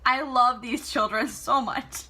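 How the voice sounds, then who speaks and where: Bright, husky-voiced woman reading aloud. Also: a little high, fairly even intonation, unhurried. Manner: enthusiastic, chatty, openly reacting to the text. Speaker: amateur book reader. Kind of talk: reading a novel aloud with casual asides.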